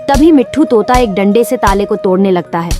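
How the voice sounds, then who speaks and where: A woman narrating a children's cartoon story in an even storytelling manner. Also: mid-range voice, fairly quick. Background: music.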